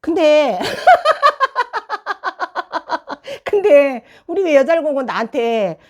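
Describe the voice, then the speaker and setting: Lively woman tutor telling stories. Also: drawn-out words. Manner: animated, acts out quoted parents in higher voice, laughs often. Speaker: study room tutor. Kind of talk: casual storytelling vlog.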